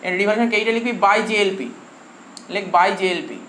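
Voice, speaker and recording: A man's voice: high-pitched, animated, fairly quick, fairly bright tone. A male commerce teacher with a Bengali accent, lecturing a class and constantly quizzing his students with repeated questions. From India. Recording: echoey room with faint noise.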